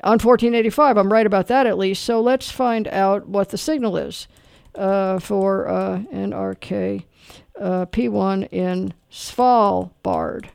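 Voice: medium pitch, steady tone, takes it slowly, vocal fry, a little mellow, clean tone, no room sound, clean studio sound. A radio host in casual talk, rambling and self-deprecating with lots of fillers. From Canada.

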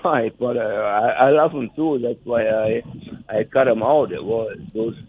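A man's voice: medium pitch, husky. Native German-speaking man, hesitant chatty guest, phone-line audio. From Germany, near the Dutch and Belgian border. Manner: halting, many fillers and restarts, laughs often. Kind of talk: casual chat.

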